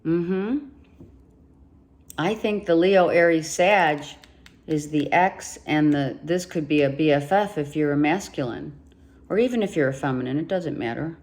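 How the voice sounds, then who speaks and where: A woman giving a monthly tarot reading, emphatic and repeating herself, her voice going hoarse with some coughing. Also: sits low, measured pace, darkish tone. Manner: emphatic, repeats herself, talks straight to the viewer. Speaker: tarot reader.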